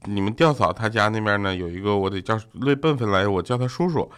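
A man's voice: lowish voice, fast talker, smooth. Young male comic host, joking and laughing through anecdotes. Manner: jokey, laughs often, mimics family in quotes. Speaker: radio show host. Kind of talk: comedic storytelling chat.

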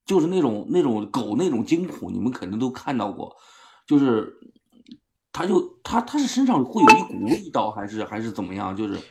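A man's voice: mid-range voice, big pitch swings, a little fast. A man hosting a radio chat who talks hesitantly, full of fillers and restarts. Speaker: radio host. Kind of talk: casual chat.

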